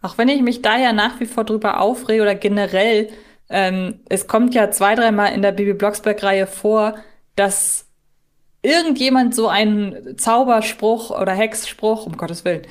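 Female podcast host, average pitch, casual discussion, analytical, thinks aloud and self-corrects. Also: moderate pace.

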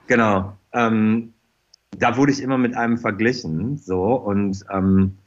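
A man's voice: lowish voice, fairly even intonation, unhurried, muffled recording. A middle-aged man speaking as a guest in a casual podcast interview, chatty and often repeating his phrases. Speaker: interview guest, fashion designer.

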